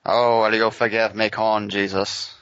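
A man's voice: fairly low pitch, level tone, unhurried, fairly bright tone, no room sound. Man putting on a pompous, menacing villain, slightly muffled. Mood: brooding. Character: menacing, pompous villain taunting a trapped victim.

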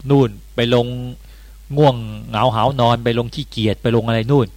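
A man's voice: mid-range voice, normal speed. A Buddhist monk gives a dharma talk in an easygoing, conversational way, with sudden lifts of emphasis on key points. His male voice sits in the middle range. The sound is dry and close, with no room echo. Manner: conversational, animated, rising bursts of emphasis.

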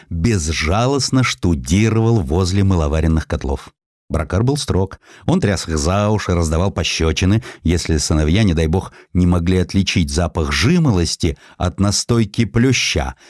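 Speaking in a low voice into a close studio mic with no echo, a man narrates a historical sketch for radio. His storytelling is expressive and varied.

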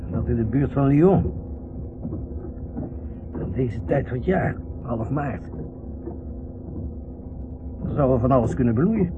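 Stubborn husband in old radio drama, grumbly lecturing, insists he's calm, narrow muffled sound with car noise. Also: mid-range voice, slow, pauses often. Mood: dry complaining. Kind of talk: Dutch radio play acting.

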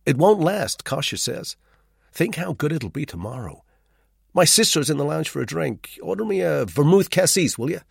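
A cheerful young chap chatters in a high, lively voice, tossing off friendly requests, as a male narrator plays him. The tone is slightly husky, with a dry, close sound. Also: normal speed, no room sound, heavily acted. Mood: breezy. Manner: bright and chatty.

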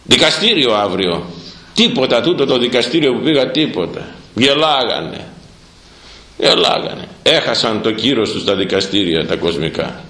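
A middle-aged priest delivering a sermon, dramatic and repetitive, his pitch swinging from high to low. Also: very animated, bright, forceful tone, reverberant, low-quality recording. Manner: dramatic, repeating words for emphasis, swinging pitch. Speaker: Orthodox priest.

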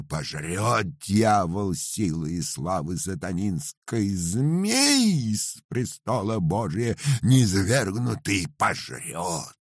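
A man voicing a male holy fool who chants and shouts prophecies in frenzy. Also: low voice, gravelly, husky, no room sound, studio quality, voice pushed up, heavily acted.

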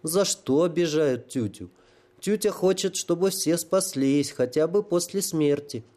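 A man's voice: a little high, unhurried, mellow, voice pushed up, close to an everyday voice. A man voicing a tearful, simple-minded holy fool who talks about himself like a child. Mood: plaintive. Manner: childlike pleading, stuttering.

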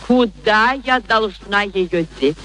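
An actress playing a sensible, stern but protective housekeeper, firm and politely reproving, in a vintage radio play. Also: female voice, mid-range voice, slow pace, a bit bright. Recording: old radio recording with faint noise.

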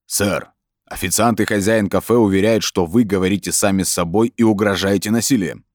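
A man's voice: fairly low pitch, brisk, darkish tone, dry recording, lightly acted. A man performs a burly police officer for an audiobook. He is stern, polite and official, in a male voice recorded dry and close. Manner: stern, formal.

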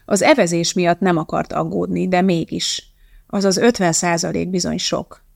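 Gravelly woman narrating an audiobook. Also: lowish voice, fairly even intonation, no echo, clean studio sound. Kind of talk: scripted narration.

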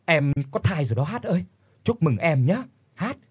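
A man voicing a brisk, cheerful neighbor woman, a mother of three, in an audio story. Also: a little high, very animated, slightly rough, no room sound, voice pushed up, full character voice. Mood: delighted. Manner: exclaiming, teasing.

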